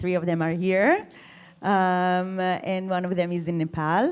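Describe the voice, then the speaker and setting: A woman speaks at medium pitch with fairly even intonation. The recording is very clean, with a silent background. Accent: Israeli. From Israel. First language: Hebrew. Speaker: Orthodox woman rabbi, Talmud scholar. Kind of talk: panel discussion. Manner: halting.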